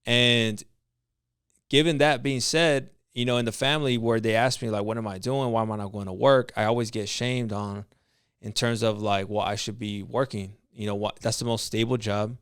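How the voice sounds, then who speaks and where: A man's voice: on the low side, steady tone, moderate pace, a bit bright, clear, resonant tone, no echo, clean studio sound. A young man with a Latino American English accent, a nurse turned entrepreneur, talking in a casual podcast chat in an earnest, motivational way. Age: young adult. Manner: earnest, motivational, with slang and restarts.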